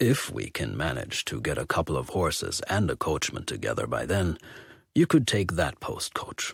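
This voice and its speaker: In a put-on character voice, a man growls gruffly at a very deep, low pitch with very wide pitch swings and a moderate pace. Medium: read story. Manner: gruff, blunt.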